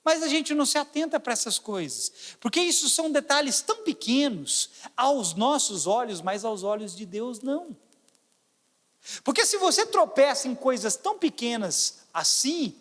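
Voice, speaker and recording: Animated Brazilian pastor with a high voice. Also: male voice, in a large hall. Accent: Brazilian Portuguese. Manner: animated, swings between loud exclamations and quiet asides. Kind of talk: sermon.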